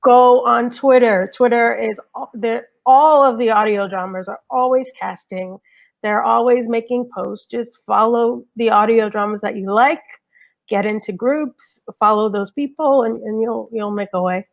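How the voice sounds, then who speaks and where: Creaky-voiced woman, muffled recording. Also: fairly high pitch, fairly even intonation, unhurried. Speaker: audio drama creator on a panel. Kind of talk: casual advice on a panel.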